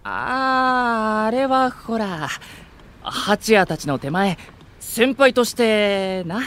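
A man's voice: sits high, animated, slow pace, fairly bright tone, clean tone, full character voice. A man playing a hot-blooded, boastful young idol with exuberant, theatrical bravado in an anime-style audio drama. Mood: sheepish.

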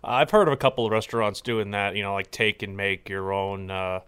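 A man's voice: lowish voice, steady tone, brisk, a bit bright, clear, resonant tone. Rambling man hosting a chat podcast. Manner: rambling, many fillers and restarts. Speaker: podcast host.

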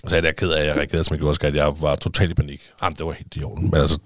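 A man's voice: very deep voice, little pitch movement, no room sound, clean studio sound. A man with a Danish accent, a father talking as a podcast guest in casual chat, rambling with many restarts and fillers.

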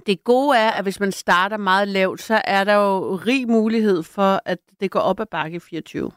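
A woman's voice: medium pitch, clean tone, dry recording, studio quality. A woman hosting a late-night call-in radio show, chatty and a little hesitant, laughing easily with callers.

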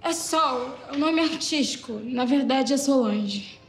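An actress playing a feisty young woman from Rio who wants to perform, speaking with a Carioca accent in a fast, pleading, indignant way. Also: high voice, echoey room. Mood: eager. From Rio de Janeiro.

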